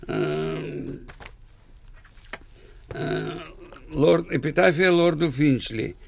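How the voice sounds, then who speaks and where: A man, a guest author on a radio show, hesitating with fillers and reciting short verse slowly. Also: fairly high pitch, huge pitch swings, creaky, slight background noise. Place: radio studio.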